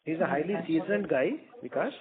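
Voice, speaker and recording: A man with an Indian accent speaking as a company executive, answering questions off the cuff in a halting, repetitive way. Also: fairly high pitch, a crowd in the background. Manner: halting, repeats words and phrases. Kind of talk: unscripted business conference call answers. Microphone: phone conference call. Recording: muffled tinny conference phone line.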